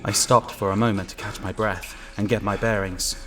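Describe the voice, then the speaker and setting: A man's voice: lowish voice, level tone, normal speed, a bit bright, close to an everyday voice. A man playing a wary lone inspector who narrates and acts out his ordeal in an audio drama, tense and dramatic. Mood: wary, urgent. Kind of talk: first-person audio drama narration and acting.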